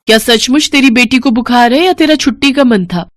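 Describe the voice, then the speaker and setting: A woman's voice: on the high side, brisk, no echo, voice pushed up, close to an everyday voice. A woman voicing a haughty rich housewife in a dramatised story, curt and imperious. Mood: stern, scolding. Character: haughty, bossy rich housewife scolding her maid. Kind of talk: dramatised Hindi bedtime story.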